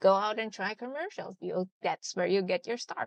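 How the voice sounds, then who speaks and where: A woman's fairly high, bright, sharp voice with a Filipino accent, in a dry, close sound with no echo. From Philippines. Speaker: voice actor. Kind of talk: casual vlog talk. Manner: animated.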